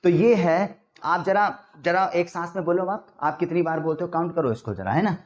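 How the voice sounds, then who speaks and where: A man's voice: high-pitched, moderate pace. Chatty Hindi-accented male English teacher. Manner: chatty, addresses class with rhetorical checks. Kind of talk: classroom spoken-English lesson. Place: classroom.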